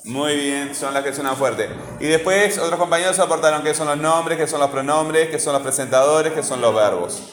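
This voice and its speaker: A man teaching a class, asking many quick questions and stressing key words. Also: a little high, a bit bright. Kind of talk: online class lesson. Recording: roomy echo.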